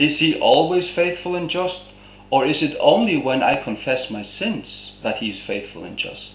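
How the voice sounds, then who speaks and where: Speaking at a fairly slow pace with a Faroese accent, a man is heard with audible room echo. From Faroe Islands. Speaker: Bible translator and preacher. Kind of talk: religious teaching talk. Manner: emphatic.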